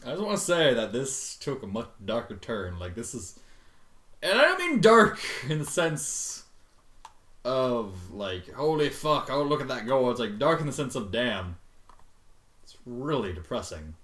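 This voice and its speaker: Comedic fan-fiction reader: bright, forceful voice, very animated, sweary and exasperated, roomy sound. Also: mid-range voice, a little slow. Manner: foul-mouthed, exasperated outbursts between read passages. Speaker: online reader and commentator. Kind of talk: comedic dramatic reading of fan fiction with reactions. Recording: echoey untreated room.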